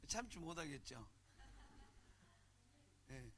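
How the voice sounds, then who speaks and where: A man's voice: fairly high pitch, slow, a little hiss or hum. A man preaching a sermon at a church retreat in a blunt, humorous, colloquial way, often calling out for the congregation to answer "amen.". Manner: animated, calls for "amen" and "hallelujah" responses; colloquial, blunt and humorous, mimics regional speech. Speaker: pastor.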